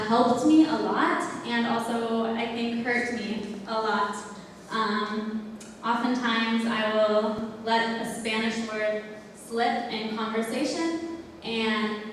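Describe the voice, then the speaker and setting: A young woman from the United States giving a public talk, hesitant with many pauses and restarts, recorded far off in a lecture hall. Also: a little high, a little hiss or hum. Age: young adult. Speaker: exchange student speaker. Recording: echoey hall, mic far off.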